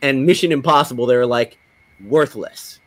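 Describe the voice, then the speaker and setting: A man's voice: mid-range voice, normal speed. A man in a casual panel chat, talking in a joking, colloquial storytelling way. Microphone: video call.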